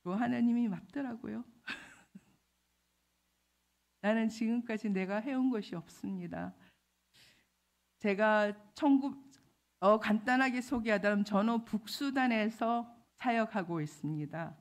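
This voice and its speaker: A woman's voice: on the high side, unhurried, pauses often. A middle-aged woman missionary giving an emotional testimony sermon, acting out the voices she quotes. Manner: emotional storytelling, acts out quoted voices loudly. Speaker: missionary preacher.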